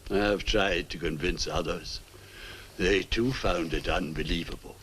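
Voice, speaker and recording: Old blind preacher in a 60s horror movie, deep husky voice, solemn, slow. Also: male voice, fairly bright tone, slight background noise. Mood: grave, foreboding. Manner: grave, solemn, formal. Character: weary blind old clergyman, solemn and god-fearing. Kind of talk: 1960s horror film acting.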